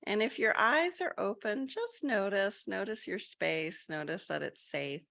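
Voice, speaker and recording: A woman leading a group meditation over a video call, talking gently with many fillers and restarts. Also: medium pitch, lively intonation, a little slow, gravelly. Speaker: meditation guide.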